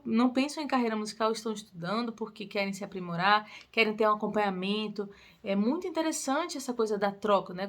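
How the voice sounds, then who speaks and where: A young adult woman, a singing teacher giving casual advice to camera in a lively, encouraging way. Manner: lively and encouraging, with quick pitch lifts on emphasis. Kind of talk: casual tutorial talk to camera.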